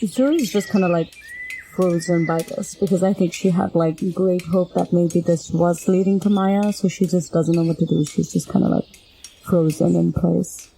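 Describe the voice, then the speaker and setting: A woman's voice: on the low side, steady tone, moderate pace, creaky, mellow, slight background noise, rough recording. A woman playing a tabletop roleplaying game, casually talking through what her character does.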